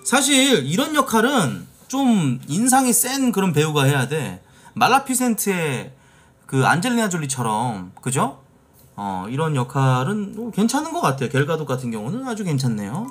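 A man's voice: a little high, huge pitch swings, moderate pace, soft background music. A man streaming casual reaction commentary, blunt and swearing freely as he reacts to clips and reads posts aloud.

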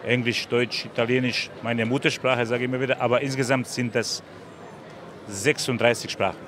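A man's voice: mid-range voice, little pitch movement, normal speed. A middle-aged man from Bosnia and Herzegovina, a musician, speaking friendly and searching for words at an outdoor festival. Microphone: handheld mic. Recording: crowd noise behind.

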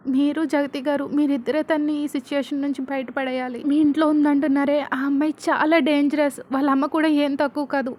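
A woman's voice: high-pitched, a little mellow, close to an everyday voice. A woman voicing a worried young woman who speaks in an urgent, pleading way.

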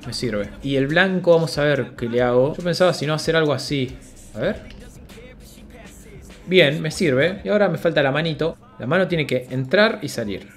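A young Argentine man with a slightly high voice walks through an animation project, thinking aloud in loose, slangy talk. Soft music sits quietly under his voice. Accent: Argentine Spanish. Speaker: video editing tutor. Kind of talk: screen-recorded software tutorial.

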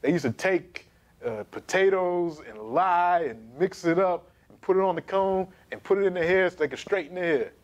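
A man in his thirties giving an emphatic, animated history lecture to camera in a small studio. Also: high voice, moderate pace, muffled recording. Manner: animated, emphatic, gesturing while pacing.

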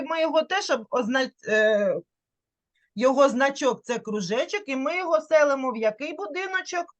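A woman giving an online literacy lesson to a young child over a video call. She draws out the vowel sounds to demonstrate them and coaxes the child along with patient questions. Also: sits high. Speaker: teacher.

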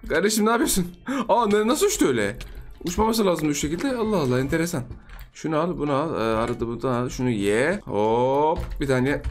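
Young man, high voice, playful gaming commentary, repetitive chatter, faint background music. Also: sing-song, a little fast. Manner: playful, chatty, repeats phrases and laughs often. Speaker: gaming YouTuber. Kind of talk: casual gameplay commentary.

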